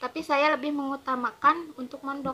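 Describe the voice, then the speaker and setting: At a fairly quick pace, a raised, projected voice speaks in a flat monotone over noticeable background noise. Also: woman. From West Java (Cianjur, Sundanese region). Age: 20s. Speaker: Islamic boarding school student. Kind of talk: interview testimony.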